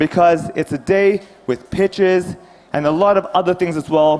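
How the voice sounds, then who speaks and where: An animated tone comes through over noticeable background noise. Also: man. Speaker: event emcee. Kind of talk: live event hosting. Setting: stage with audience.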